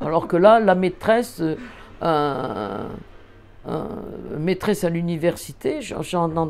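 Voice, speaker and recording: At a very slow pace, a woman with a fairly low pitch speaks with lively intonation. Her speech has long, frequent pauses. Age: 70s. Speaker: journalist. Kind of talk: interview. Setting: at home. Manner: halting.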